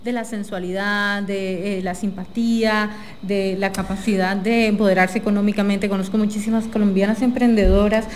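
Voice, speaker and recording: A woman, talking thoughtfully and softly as a guest in a casual interview. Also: medium pitch, fairly even intonation, moderate pace, few pauses, a little hiss or hum. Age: 30s.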